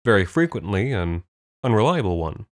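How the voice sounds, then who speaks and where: A man's voice: fairly low pitch, sing-song, moderate pace. A man giving a scripted introduction to his audio drama series as its host and performer. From Canada.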